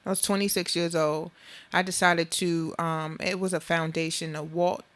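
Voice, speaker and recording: A woman's voice: lowish voice, little pitch movement, moderate pace, a bit bright. A woman from South Carolina with a Southern Black American accent touched by Gullah Geechee, telling stories conversationally as an interview guest. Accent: Southern Black American with Gullah Geechee influence. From Beaufort, South Carolina, United States.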